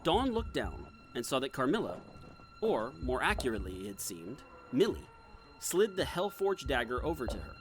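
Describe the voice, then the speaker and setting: A man's voice: mid-range voice, huge pitch swings, moderate pace, over music. A man reading scripted, dramatic narration as the narrator of an audio drama.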